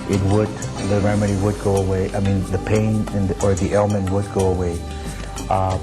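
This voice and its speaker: A man from Texas recalls family experiences in a low, fairly monotone voice. He speaks haltingly and hesitantly, with music clearly playing behind him. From Texas, United States. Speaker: interviewee sharing family experience. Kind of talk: personal recollection.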